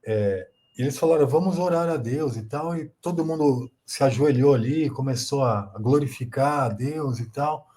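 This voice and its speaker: A man's voice: medium pitch, normal speed, few pauses, dark tone. A Brazilian Portuguese-speaking man, a guest, telling a personal testimony in a rambling way with many fillers and repeated words.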